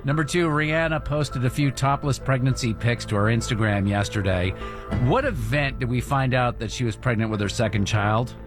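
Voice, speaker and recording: A man's voice: mid-range voice, normal speed, over music. A man hosting a morning radio show, reading quiz questions and joking with his co-hosts. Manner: joking, playful.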